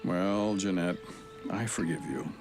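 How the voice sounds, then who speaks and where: A man's voice: deep voice, fairly even intonation, measured pace, music in the background. An actor playing a kindly, folksy, easily flustered man of faith in a children's radio drama, hesitant and earnest. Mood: earnest, forgiving.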